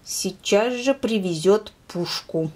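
A woman voicing an earnest, gentle little bear cub in a storybook reading. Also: mid-range voice, slow pace. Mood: defiant.

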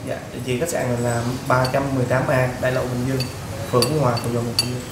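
A woman's voice: very deep voice, little pitch movement, quick pace, noisy background. A woman on the hotel buffet staff, answering politely and briefly, heard from off the mic. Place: hotel breakfast buffet room, indoors. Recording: off-mic in an echoey room with dish clatter.

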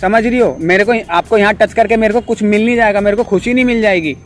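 A man's voice: high voice, quick pace, faint music behind. A young man hosting a prank video in a park, chatting casually and coaxing with constant "yaar". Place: outdoor park.

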